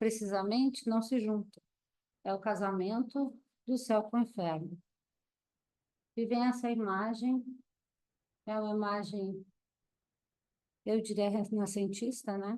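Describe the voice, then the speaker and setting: Her dark, mellow voice sits at a fairly high pitch for a woman, with fairly even intonation. She speaks at a fairly slow pace with long, frequent pauses. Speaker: psychoanalyst presenting at a study group. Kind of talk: lecture. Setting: hybrid meeting, in person and video call.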